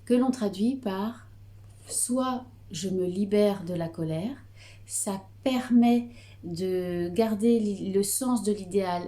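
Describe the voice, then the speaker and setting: Calm Breton French woman, mellow voice. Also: medium pitch. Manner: calm, hesitant with frequent fillers. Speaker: Reiki master teacher. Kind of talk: explanatory video lesson.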